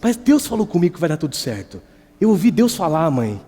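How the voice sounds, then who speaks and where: Man acting excited little boy, high loud voice, long church reverb. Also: fast. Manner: breathless, pleading, high and loud. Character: eager excited young boy seeking God. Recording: reverberant church hall, faint guitar.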